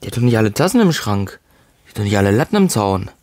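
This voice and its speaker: A man's voice: on the low side, big pitch swings, fast, darkish tone, no room sound. Man, let's play host, casual commentary, jokey asides, dry close mic. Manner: chatty, reads in-game texts aloud with jokey asides.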